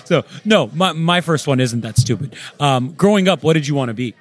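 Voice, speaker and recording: A man's voice: a little high, lively intonation, a little fast. A man co-hosting an interview podcast with casual, informal and encouraging banter. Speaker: podcast co-host.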